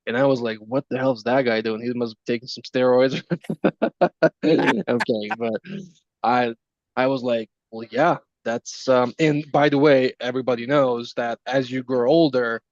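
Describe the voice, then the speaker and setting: Man, early 20s, teasing co-host; mid pitch, dull lo-fi sound, dry. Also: fairly even intonation, unhurried, no echo. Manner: teasing, laughs often. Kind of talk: casual chat.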